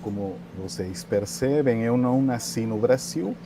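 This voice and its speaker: A man from Peru in his forties, a native Spanish speaker with a Peruvian accent, giving an interview over a video call in a relaxed, somewhat hesitant way. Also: medium pitch, measured pace, background noise. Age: 40s. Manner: relaxed, hesitant, with filler sounds. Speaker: guest. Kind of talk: conversational interview.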